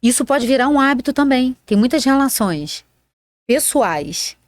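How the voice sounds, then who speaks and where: A woman's voice: sits high, animated, a little slow, no room sound, clean studio sound. A woman co-hosting a casual podcast, speaking earnestly and emphatically, with many fillers. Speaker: podcast co-host.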